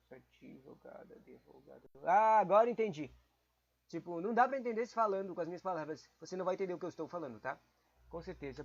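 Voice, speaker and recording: A man's voice: high-pitched, darkish tone. Casual, muttering man studying aloud. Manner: casual, muttering, confused asides. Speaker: podcast host studying for exams. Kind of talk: thinking aloud while studying. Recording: dull lo-fi recording.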